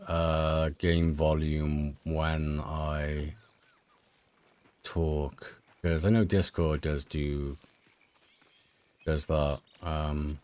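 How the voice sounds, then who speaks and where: A man, streaming a game and chatting casually with his viewers in a relaxed, hesitant way with many fillers. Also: smooth. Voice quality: deep voice. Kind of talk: casual gameplay streaming chat. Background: game music.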